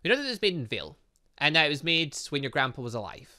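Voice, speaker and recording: A man's voice: a little high, sing-song, racing, pushed and bright, heavily acted. A man voicing an eager female science professor as he reads game dialogue aloud. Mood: brisk. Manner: reading dialogue aloud in a light put-on voice. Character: female professor, brisk, scholarly, enthusiastic about science.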